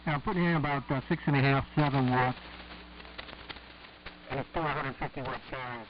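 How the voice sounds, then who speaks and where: Halting man over static-filled shortwave. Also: mid-range voice. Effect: AM shortwave radio transmission. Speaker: amateur radio operator. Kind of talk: casual technical chat over ham radio. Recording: noisy, dull AM shortwave radio. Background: steady radio noise.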